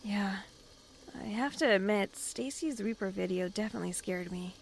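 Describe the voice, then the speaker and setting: A woman's voice: mid-range voice, moderate pace, gravelly, slight background noise, lightly acted. A woman playing a dryly teasing young woman new in town, in a naturalistic audio drama. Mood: uneasy.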